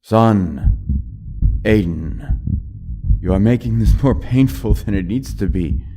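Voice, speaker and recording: A crazed middle-aged father turning into a monster, as a man acts him out in a dramatized horror story. He implores with fanatical menace, pitched up and loud, over background music. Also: expressive, takes it slowly, vocal fry, a little hiss or hum, full character voice. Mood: fanatical, commanding. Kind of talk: dramatized horror audiobook acting.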